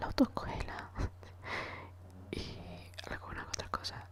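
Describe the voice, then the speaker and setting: Whispering from a woman with a Spanish accent, set against noticeable background noise. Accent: Spanish from Spain. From Extremadura, Spain. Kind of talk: ASMR room tour. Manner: soft-spoken, whispered.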